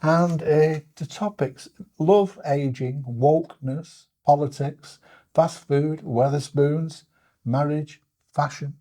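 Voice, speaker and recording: A man's voice: fairly high pitch, fairly even intonation, slow pace, dark tone. A man, chatting casually and jokily as an interviewer. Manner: jokey, bantering.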